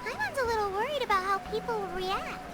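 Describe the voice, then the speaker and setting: Squeaky tiny game fairy. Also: female voice, animated, quick pace, over loud music. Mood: concerned. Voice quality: squeaky, childlike. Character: tiny chirpy fairy companion, childlike and fretful. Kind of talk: anime game voice acting. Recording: game audio under loud effects.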